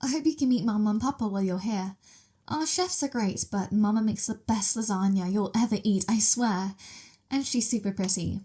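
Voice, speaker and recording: A woman playing a childlike, excitable vampire mistress in an ASMR roleplay, with a gleeful, teasing, innocent manner. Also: mid-range voice, moderate pace, lightly acted. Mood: chatty, fond.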